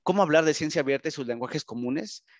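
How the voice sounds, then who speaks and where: A man with a Mexican Spanish accent giving a conference presentation over a video call, speaking haltingly with frequent tag questions. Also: fairly high pitch, dry recording. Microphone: video call, computer microphone. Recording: dull, lo-fi video call audio.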